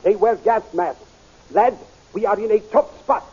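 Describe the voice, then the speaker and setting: A high, soft-toned, husky male voice plays an excitable older scientist. He phrases things formally in 1930s radio serial manner. The recording is muffled and old. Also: normal speed. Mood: worried. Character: excitable older scientist doctor, mentor to hero.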